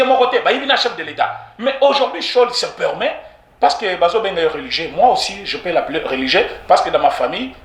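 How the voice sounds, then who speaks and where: A Congolese man speaks with a Congolese French accent, his voice set high and swinging widely in pitch. He argues hard and slips between French and Lingala, hammering points by repeating them. The recording sounds echoey. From Congo (DRC). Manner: animated, mixes French with Lingala, repeats for emphasis. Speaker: political commentator. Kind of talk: heated political street interview.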